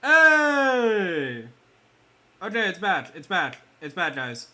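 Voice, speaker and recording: A man's voice: high-pitched, huge pitch swings, takes it slowly, sharp tone. A young man livestreaming while he draws viewers' characters, chatting loosely with his chat. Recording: music playing behind.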